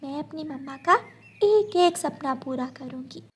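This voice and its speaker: Woman voicing a young cartoon sparrow girl, very high, earnest, lively. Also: measured pace. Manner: earnest, determined. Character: devoted young daughter sparrow, Gudiya.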